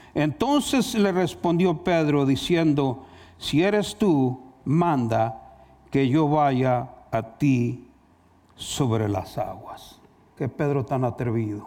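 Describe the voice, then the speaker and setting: A man speaks very slowly in a fairly high pitch with lively intonation. His tone is dark and mellow, and the room echo is audible. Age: 60s. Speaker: guest preacher. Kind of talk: sermon. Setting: church.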